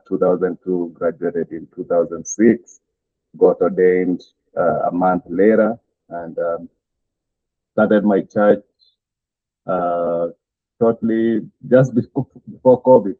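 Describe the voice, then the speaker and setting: A middle-aged pastor with a Kenyan accent, telling his story as a guest in a halting way full of "uh" fillers. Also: sits low, flat delivery, no room sound. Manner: halting, many "uh" fillers, chuckles between thoughts. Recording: tinny phone-like call audio, dry.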